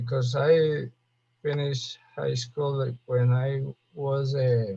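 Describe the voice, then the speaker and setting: A man's somewhat breathy, dark and mellow voice at medium pitch, with fairly even intonation and a very slow pace. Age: 40s. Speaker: Spanish tutor. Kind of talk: language lesson conversation.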